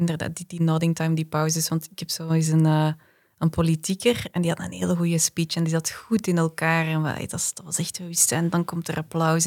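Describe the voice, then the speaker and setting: A woman with a fairly low pitch talks at a fairly quick pace in an animated tone. The recording is very clean, with a silent background. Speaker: speaker coach. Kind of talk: casual chat. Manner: animated, talks with her hands.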